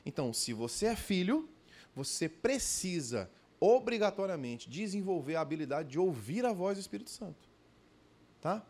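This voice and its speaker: Male preacher, church sermon, animated storytelling, slightly high voice, talks straight to the congregation. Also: normal speed. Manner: animated storytelling with frequent tag questions; addresses the congregation directly. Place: church conference.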